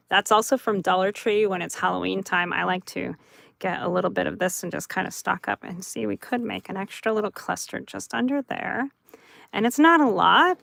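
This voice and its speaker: A woman hosting a live craft chat, soft and chatty, who often laughs and talks about her dry mouth. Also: mid-range voice, vocal fry, no echo. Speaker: craft livestream host.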